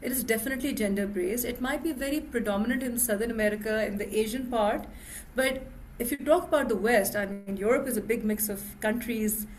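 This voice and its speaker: A woman's voice: on the high side, fairly quick, faint music behind. A woman speaker answering questions on a webinar, reflective, often affirming with a "yeah".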